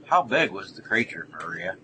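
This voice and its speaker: A man's voice: sits low, very animated, normal speed, bright, forceful tone, slight background noise, full character voice, poor audio. A man playing an inquisitive, observant field researcher in an amateur audio drama, speaking in a precise way. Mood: curious, polite. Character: inquisitive, observant male Bigfoot researcher assisting an interview.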